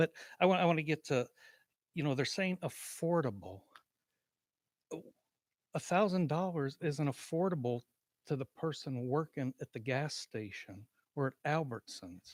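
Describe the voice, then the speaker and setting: With lively intonation and a fairly high pitch, a man talks at a moderate pace, leaving long, frequent pauses. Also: dry, close sound with no echo. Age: 60s. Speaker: resident speaking at public comment. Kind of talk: public comment at city meeting. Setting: city commission meeting. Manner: halting, repetitive.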